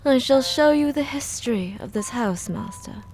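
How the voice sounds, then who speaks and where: Woman as soft, mellow-voiced eerie mansion maid. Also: a little high, lively intonation, natural voice. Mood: composed, enigmatic. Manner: formal, archaic, measured servant's speech. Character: pale, eerie, courteous maid of a haunted mansion. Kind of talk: audio drama acting. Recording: music behind the voice.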